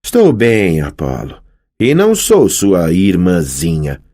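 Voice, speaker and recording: A man's voice: deep voice, wildly swooping pitch, takes it slowly, warm tone, heavily acted. A man reading an audiobook, voicing a proud, curt young goddess of the hunt in a lifted voice. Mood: curt dry. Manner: curt, exasperated. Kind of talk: audiobook character voice.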